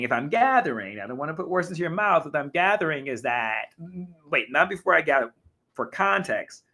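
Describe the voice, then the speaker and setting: A man with a mid-range, slightly hoarse voice hosts a live talk show, chatting casually and reacting to viewer comments. His delivery is animated, with frequent self-corrections.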